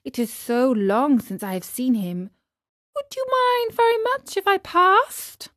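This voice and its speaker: A remorseful young wooden puppet boy, as a woman reading a storybook puts him on, earnest and childlike as he pleads. His voice sits high, and the delivery is unhurried. The sound is close and dry. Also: expressive, fairly bright tone, dry recording. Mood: sweetly pleading. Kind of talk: storybook character voice.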